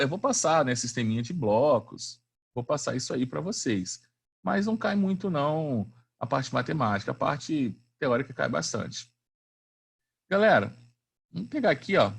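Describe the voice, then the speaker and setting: Lively husky-voiced male physics teacher. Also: fairly high pitch, moderate pace. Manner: lively, chatty, slangy, asks students questions. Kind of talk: online class lecture.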